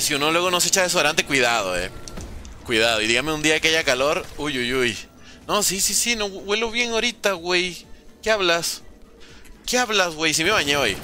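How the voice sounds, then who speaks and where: Streamer bromista de voz brillante y animada. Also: male voice, on the high side, sharp tone, slight background noise. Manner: joking, reads and answers chat messages. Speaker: gaming streamer. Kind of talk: casual live-stream chat.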